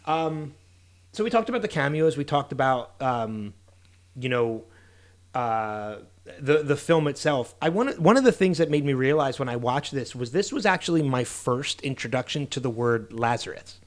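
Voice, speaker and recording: A man's voice: mid-range voice, sing-song, normal speed. Man hosting a rambling movie chat. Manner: loose, restarts a lot, many fillers. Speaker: podcast host. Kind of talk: casual movie discussion.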